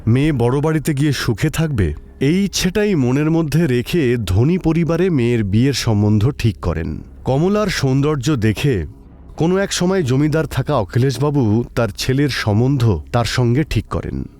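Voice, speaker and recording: একজন পুরুষ কথক লিখিত ভূতের গল্প পাঠ করছেন।. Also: male voice, medium pitch, expressive, moderate pace, a little mellow. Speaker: narrator. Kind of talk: scripted horror story narration.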